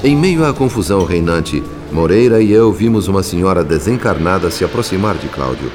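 A man with a Brazilian accent narrating a radio soap as a solemn witness, grave, theatrical and measured. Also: low-pitched, expressive, music in the background. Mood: dramatic, urgent. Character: solemn male spirit narrator recounting a tragedy.

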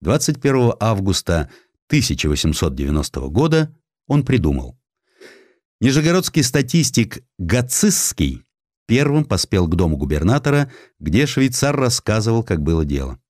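A man narrating a dramatized audiobook in an expressive, theatrical storytelling manner. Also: lowish voice, moderate pace, no room sound, studio quality.

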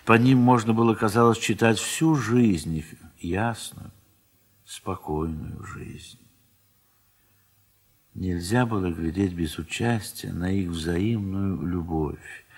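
A man narrates a classic radio play, unhurried and husky, with a slightly low voice. His reading is measured and wistful, and phrases trail off softly at the ends.

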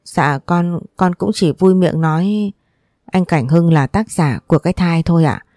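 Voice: measured pace, mellow, no room sound, clean studio sound, lightly acted. A storyteller voicing a jealous, quarrelsome young wife who accuses and whines. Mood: whining. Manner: shrill accusing, whining.

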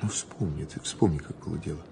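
An actor playing a patient, quietly authoritative criminal investigator who asks measured, informal questions in an audio drama. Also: male voice, very deep voice, gravelly. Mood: probing. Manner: measured questioning, informal, alternating soft and firm. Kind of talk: Russian audio drama acting. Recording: noticeable background noise.

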